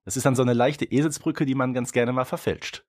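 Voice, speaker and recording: Man, mid-range voice, podcast co-host, casual, measured, qualifying phrasing. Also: mid-range voice, steady tone.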